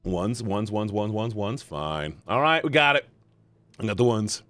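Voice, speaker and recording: Male streamer, deep voice, very lively pitch; reads game text and chats with viewers; faint music underneath. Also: unhurried, no echo. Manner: animated, jumps between reading aloud and chatty asides to chat. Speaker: streamer voicing a visual novel. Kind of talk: live stream reading and reacting.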